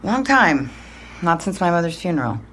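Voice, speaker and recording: Middle aged mom, low voice, dry n terse, interview style, slight noise. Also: female voice, sing-song, normal speed, fairly bright tone. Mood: dry, guarded. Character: curt, unsentimental middle-aged mother, estranged from her father. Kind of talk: naturalistic podcast interview in audio drama.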